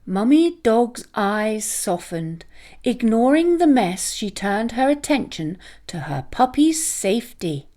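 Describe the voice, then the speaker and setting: Very animated, high-voiced woman storyteller. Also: takes it slowly. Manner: dramatic, expressive. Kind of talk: scripted children's story narration.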